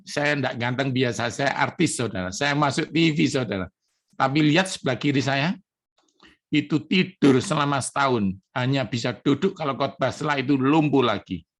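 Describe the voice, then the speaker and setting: A man's voice: medium pitch, moderate pace, fairly bright tone. A middle-aged man from Indonesia, a pastor preaching an emotional testimony sermon to his congregation. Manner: emotional, addresses congregation as brothers and sisters.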